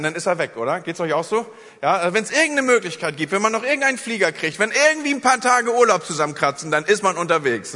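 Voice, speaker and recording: Middle-aged male pastor, high bright voice, lively direct address, reverberant church hall. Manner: lively, addresses congregation directly with frequent "okay?" and "ne?". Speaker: senior pastor. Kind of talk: live church sermon.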